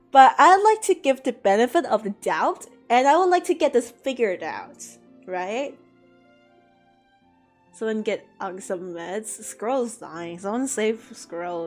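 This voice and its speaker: Animated, chatty woman streamer. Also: a little high. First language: English. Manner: chatty and animated, mock-dramatic outbursts. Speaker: art streamer answering chat. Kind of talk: casual livestream chat.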